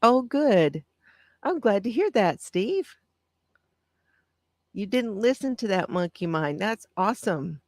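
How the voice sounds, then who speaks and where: A woman hosting a casual live stream, with a soft, calming voice, reading out notes on breathing and answering viewer comments. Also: medium pitch, no room sound, clean studio sound. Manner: gentle, reads aloud with pauses and answers viewer comments. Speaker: craft channel host.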